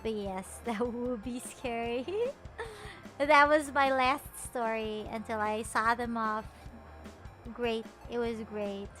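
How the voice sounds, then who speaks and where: High-voiced, bubbly woman streamer. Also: slow, faint music behind. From Philippines. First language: Filipino. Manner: animated, playful and self-mocking, laughs often. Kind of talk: casual chat stream.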